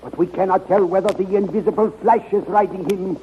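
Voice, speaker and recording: A man plays a cautious, authoritative scientist in a 1930s radio serial. His voice is high for a man, with formal, deliberate phrasing, on a dull and noisy old recording. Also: fairly even intonation, close to an everyday voice. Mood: cautious, urgent. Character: brisk, cautious male scientist mentoring a young hero.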